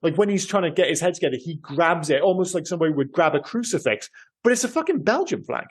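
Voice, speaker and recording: A man's voice: fairly high pitch, sing-song, fast talker, slightly rough. A British man co-hosting a film podcast, chatting loosely and rambling, with casual swearing. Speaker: podcast co-host.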